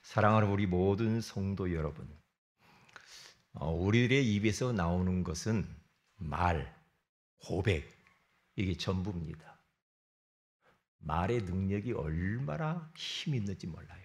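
A middle-aged man preaching a sermon to his congregation. He swings between loud emphatic bursts and low asides. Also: lively intonation, measured pace, long pauses. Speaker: pastor.

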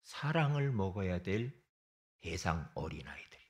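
A man's voice: sits low, very animated, normal speed, a little mellow. A man preaching a sermon as pastor, emphatic, often throwing rhetorical questions at the congregation.

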